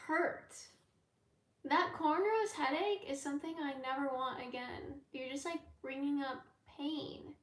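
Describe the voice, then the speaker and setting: Slow, high-voiced woman in an echoey room. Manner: rambling, laid-back, with frequent fillers. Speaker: tarot reader and YouTuber. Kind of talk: live Q&A chat with viewers.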